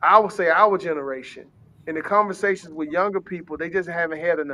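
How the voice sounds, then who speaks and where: A loud man talks very fast with an American accent. His high-pitched voice has a bright, sharp tone. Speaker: health show guest. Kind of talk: panel discussion. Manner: animated.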